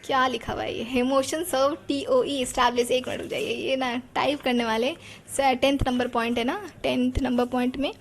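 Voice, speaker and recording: A woman's voice: high voice, steady tone, moderate pace, slight background noise. A woman gives a psychology lesson. She talks in a chatty way and keeps putting rhetorical questions to her students. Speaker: teacher.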